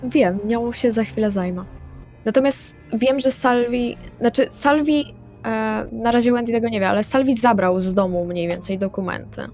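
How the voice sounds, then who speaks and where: A woman's voice: fairly high pitch, normal speed, a little mellow, faint music behind. A woman explaining her character's moves as a player in a tabletop role-playing game.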